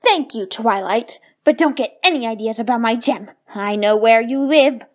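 A woman's voice: fairly high pitch, normal speed, close to an everyday voice. A woman voicing a vain, ladylike cartoon unicorn pony who loves fashion, with refined, theatrical diction. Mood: cool warning. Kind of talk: fan voice reel of cartoon lines.

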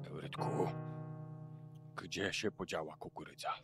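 A man playing a fussy, flustered boss who talks haltingly and repeats himself in a children's audio play. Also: low-pitched, fairly even intonation, gravelly, loud music behind the voice. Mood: insistent.

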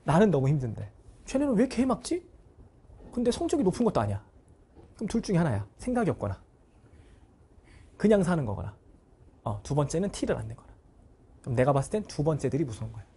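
A man's voice: fairly high pitch, sing-song, fast talker, pauses often, dark tone, breathy edge. A male cram school teacher giving a blunt, casual motivational talk to his students. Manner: acts out students' voices in short bursts.

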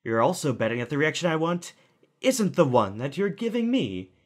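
A man playing a calculating, smugly theatrical kidnapper in an audio drama, mocking with drawn-out, deliberate phrasing. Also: a little high, very animated.

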